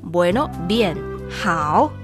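With a lowish, sing-song voice and music in the background, a woman from China teaches a radio language lesson as teacher and co-host. Chinese is her first language, and she speaks slowly and carefully while drilling pronunciation.

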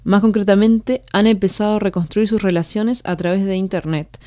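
A woman's voice: medium pitch, fairly even intonation, fairly quick, warm tone, no room sound. A woman co-hosting a scripted language lesson, repeating words back and presenting a short practical segment. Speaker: co-host.

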